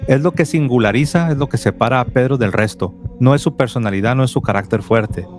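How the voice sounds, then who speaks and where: A man from Tijuana with a Mexican Spanish accent, hosting a Catholic call-in show and explaining doctrine in a steady teaching tone. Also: medium pitch. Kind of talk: apologetics call-in talk.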